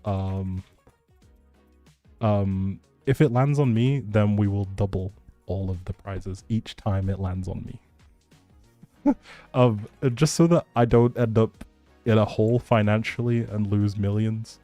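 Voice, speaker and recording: A man's voice: on the low side, slow, pauses often, mellow, no room sound, faint music behind. A man hosting a livestream in a chatty, rambling, informal way, as if talking casually with viewers. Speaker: livestream host. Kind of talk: casual livestream chat, giveaway announcing.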